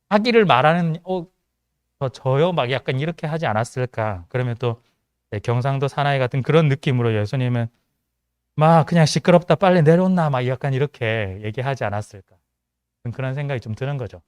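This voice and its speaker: A man's voice: medium pitch, no room sound, clean studio sound. A male pastor with a mild Gyeongsang accent, giving a conversational sermon with joking asides. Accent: mild Gyeongsang Korean. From Gyeongsang region of South Korea. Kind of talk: sermon to a young adults' congregation.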